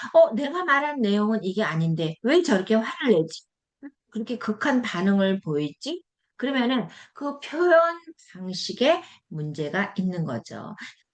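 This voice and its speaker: A woman's fairly high voice at a fairly slow pace, full of very wide pitch swings. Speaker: professor. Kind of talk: lecture. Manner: clipped, sharp delivery.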